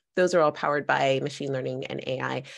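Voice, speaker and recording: A woman speaks in a monotone with flat intonation and vocal fry. The background is quiet. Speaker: SEO communications lead. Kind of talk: panel discussion. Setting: video call.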